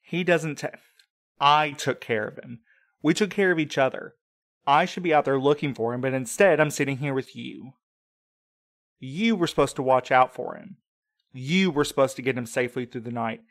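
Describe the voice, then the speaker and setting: Ein Mann spielt einen verbitterten, trauernden jungen Kurier. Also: male voice, medium pitch, moderate pace, fairly bright tone, no echo, clean studio sound, natural voice. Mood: bitter. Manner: bitter, accusing, clipped. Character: grieving angry young male courier, bitter.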